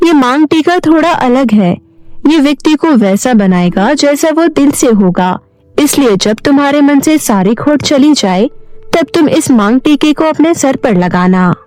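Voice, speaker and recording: A woman voicing a kindly, calm water goddess in a cartoon story, soothing and measured. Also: sits high. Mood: calm, instructing.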